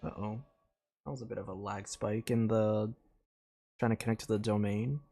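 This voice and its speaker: A tired man doing casual live gameplay commentary, thinking aloud in a low-key, meandering way. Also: level tone, moderate pace, dark tone, soft background music. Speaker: game streamer.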